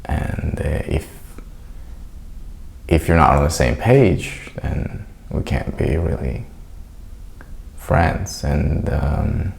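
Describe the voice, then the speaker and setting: Vlogger, young man, very low gravelly voice, unhurried, hesitant and reflective. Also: darkish tone. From Crimea, Ukraine. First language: Russian. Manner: hesitant, searching for words. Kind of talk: reflective personal monologue.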